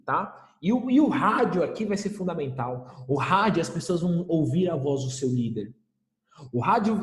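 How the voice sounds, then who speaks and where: A man teaching a recorded history lesson, emphatic, asking rhetorical questions and repeating key points. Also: high-pitched. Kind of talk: recorded class lecture. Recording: echoey room with long reverb.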